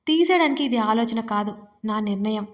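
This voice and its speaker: A tearful young wife from an audio story, pleading and emotional, as the woman narrator voices her. Her voice sits fairly high. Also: expressive, moderate pace, lightly acted.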